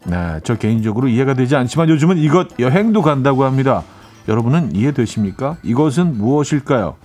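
A man's voice: mid-range voice, sing-song, a little fast, a little mellow. A man hosting a radio music show, chatting casually, reading listener messages aloud and laughing often. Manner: chatty, laughs often, mimics dialect playfully. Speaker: radio DJ host. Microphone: studio microphone.

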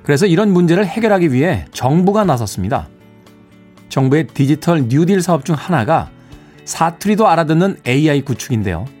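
Man morning radio DJ from Seoul, playful, pitch rising and falling freely, studio mic. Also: brisk, husky, soft background music. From Seoul, South Korea. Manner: lively, playful, chuckles between messages. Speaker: radio show host. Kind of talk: morning radio show, reading listener texts.

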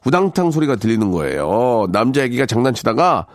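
Guy hosting a radio show, reads listener stuff then rambles politely, really animated pitch, dry studio sound. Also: a little fast, no echo. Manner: polite, conversational, rambling asides. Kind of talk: reading listener stories and commenting, casual radio talk.

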